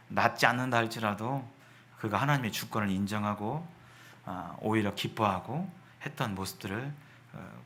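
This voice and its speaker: Male preacher with a bright, forceful voice at a mid pitch. He poses questions to the listeners and answers them himself. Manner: reads scripture slowly. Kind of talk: sermon.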